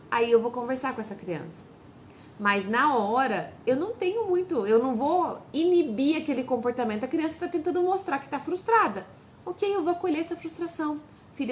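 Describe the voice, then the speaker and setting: A woman giving direct parenting advice. She asks parents questions and answers them herself, and she acts out calm lines a parent might say to a child. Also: sits high, a little hiss or hum. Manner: speaks straight to parents, asks and answers her own questions. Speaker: parenting educator.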